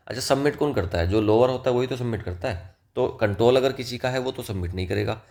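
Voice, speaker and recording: A man teaching English vocabulary in Hindi, reading English example sentences slowly and talking directly to his students. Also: mid-range voice. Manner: conversational, addresses students directly.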